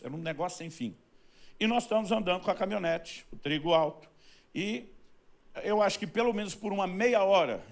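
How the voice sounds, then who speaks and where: A middle-aged man from Brazil, a pastor telling a story in a sermon, animated and rising loudly at the high points. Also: gravelly.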